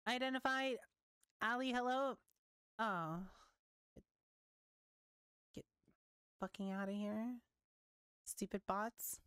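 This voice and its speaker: Casual young woman, smooth dry voice. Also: mid-range voice, a bit bright, no room sound. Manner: chatty, reacts aloud, swears casually. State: losing her voice. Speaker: gaming content creator. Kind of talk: casual commentary reading patch notes.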